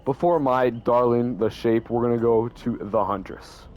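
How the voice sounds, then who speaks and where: A young man talks through his game setups in a loose, rambling way, often stopping to correct himself. His voice sits in an ordinary middle pitch. The desktop mic sounds a little dull and lo-fi. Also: moderate pace. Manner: rambling, self-correcting, stutters. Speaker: gaming YouTuber. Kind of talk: casual game commentary.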